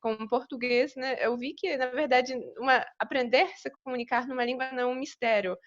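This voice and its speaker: Casting: Polish woman, non-native speaker, fairly high voice, hesitant and thoughtful, muffled call. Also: fairly even intonation, fairly quick. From Poland. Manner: thoughtful, hesitant, many fillers. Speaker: guest, polyglot. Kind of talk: casual video-call interview. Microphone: video call.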